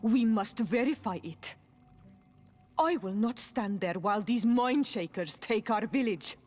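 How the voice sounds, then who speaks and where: A woman's voice: fairly high pitch, expressive, unhurried, a little mellow. An actress playing a proud, resolute young tribal princess in a video game, firm and earnest in her delivery. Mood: defiant. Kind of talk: video game cutscene acting. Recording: background music under the voice.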